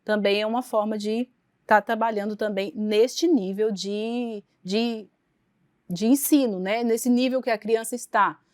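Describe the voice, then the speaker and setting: A woman's voice: medium pitch, fairly even intonation, a little slow, no room sound, clean studio sound. A woman teacher giving a recorded online lecture with a Brazilian Portuguese accent, explaining step by step with frequent tag questions and restarts.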